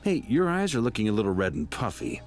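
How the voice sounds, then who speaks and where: A man's voice: mid-range voice, big pitch swings, fast, a little mellow, soft background music, lightly acted. A man voicing a fatherly, teasing, sentimental guy in a video game. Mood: warmly teasing.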